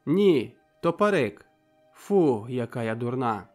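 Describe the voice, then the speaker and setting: A man voicing a flustered, excitable young woman in an audiobook, with breathless exclamations. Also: mid-range voice, takes it slowly, soft background music.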